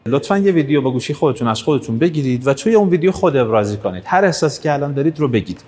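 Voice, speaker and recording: A man's voice: medium pitch, expressive, a little mellow, long reverb tail. A man leading a live workshop, talking directly to the audience and urging them on. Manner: direct, coaxing, urges the audience on. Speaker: workshop trainer. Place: hall with an audience.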